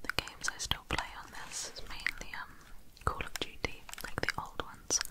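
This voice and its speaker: Whispering, a woman speaks at a moderate pace. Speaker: ASMR artist. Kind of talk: ASMR video. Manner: whispered. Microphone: studio mic.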